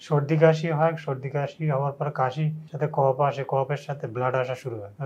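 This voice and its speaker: The man speaks with a somewhat breathy voice at a fairly high pitch. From Dankuni, West Bengal, India. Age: 40s. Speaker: lung cancer patient. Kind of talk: patient testimonial interview answer.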